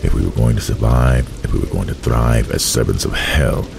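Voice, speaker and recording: An actor playing a proud, brooding dead admiral who narrates from hell in a solemn, deliberate way, gravelly, in a horror audio drama. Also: male voice, a bass voice, noisy background, exaggerated voice.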